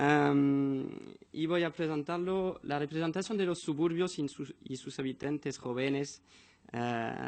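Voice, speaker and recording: A man with a French accent speaks fairly slowly. His voice is fairly high, with ordinary pitch variation. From France. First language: French (speaking Spanish). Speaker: film researcher, panel speaker. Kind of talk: panel talk. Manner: halting.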